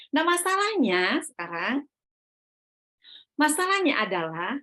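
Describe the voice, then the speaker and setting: A woman giving a parenting seminar to parents, animated and full of rhetorical questions, sometimes acting out her own inner self-talk. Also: on the high side.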